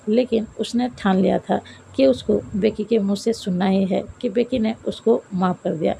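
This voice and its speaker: A woman narrating a romance story in Hindi, reading every line of dialogue herself in a steady, plain manner. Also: medium pitch, gravelly, slight background noise, rough recording. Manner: steady, plain retelling with dialogue read aloud.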